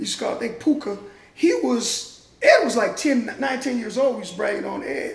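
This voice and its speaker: Amid noticeable background noise and audible room echo, a man's voice swings widely in loudness. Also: moderate pace. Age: 50s. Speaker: NFL wide receivers coach. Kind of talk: casual interview.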